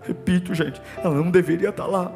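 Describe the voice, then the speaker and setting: A man preaching a sermon, emphatic and repetitive, dropping to a hush and then rising to force. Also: high-pitched, fairly even intonation, fast, creaky. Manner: emphatic and repetitive, swinging between hushed and forceful. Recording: long hall reverb with soft music behind.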